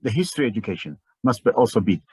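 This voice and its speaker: An older man from Ethiopia with an Ethiopian accent, giving impassioned interview commentary in a halting, repetitive, emphatic way. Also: medium pitch, expressive, a little mellow, husky, no echo, studio quality.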